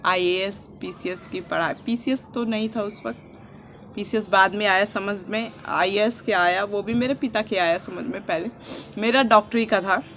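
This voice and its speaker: A young woman from India talking softly and earnestly in a personal vlog, recorded outdoors on a rooftop with a phone on a selfie stick. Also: medium pitch, a little hiss or hum. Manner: earnest and heartfelt, speaking softly. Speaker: vlogger.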